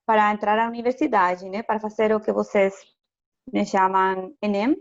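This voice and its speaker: Her mid-range voice stays fairly even at a moderate pace, and the recording's highs are cut off. The guest, a Chilean education lecturer whose first language is Spanish, laughs frequently while carefully and hesitantly answering in Portuguese with a Chilean accent during a relaxed video call interview.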